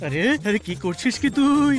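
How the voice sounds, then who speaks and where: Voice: mid-range voice, very animated, normal speed, natural voice. A woman voicing a bossy, grumpy animal in a children's cartoon dub, blunt and scolding.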